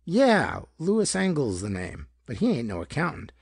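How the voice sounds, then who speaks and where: A young elevator operator in a pulp detective tale, voiced by a male reader. He gossips in informal slang, pitched a little high and lively. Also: moderate pace, husky, dry recording, studio quality, exaggerated voice. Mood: matter-of-fact.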